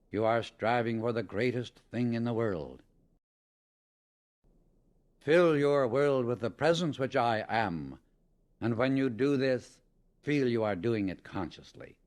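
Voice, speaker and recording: A man narrating a scripted spiritual audiobook in a measured, emphatic, instructional manner. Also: mid-range voice, lively intonation.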